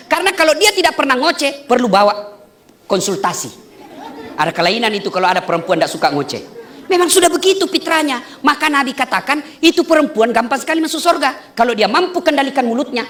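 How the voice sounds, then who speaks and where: A male preacher giving a lively, joking wedding sermon to an audience, often asking questions and then answering them himself. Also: extremely high pitch. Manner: animated, joking, asks and answers own questions.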